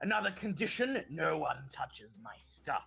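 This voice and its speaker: A man's put-on character voice at medium pitch and a moderate pace. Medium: actual play. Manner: cold, curt.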